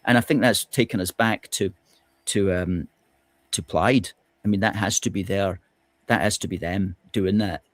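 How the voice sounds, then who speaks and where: A man hosting a political discussion, measured and questioning, with hesitant fillers. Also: low-pitched, steady tone, no echo. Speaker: host.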